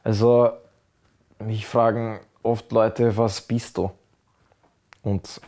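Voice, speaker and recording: A young Austrian man from Burgenland talking casually and reflectively, halting as he searches for words. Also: fairly low pitch, little pitch movement, warm tone. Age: young adult. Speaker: interviewee.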